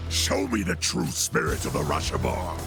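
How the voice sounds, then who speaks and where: An actor playing a boastful, battle-hungry immortal warrior in a video game, theatrical and taunting. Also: male voice, medium pitch, creaky, exaggerated voice. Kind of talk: video game character acting.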